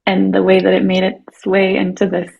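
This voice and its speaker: A woman hosting an interview, gentle and encouraging as she asks questions. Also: mid-range voice, monotone, moderate pace, creaky, breathy edge. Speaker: podcast host. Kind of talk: interview host. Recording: slightly muffled lo-fi audio.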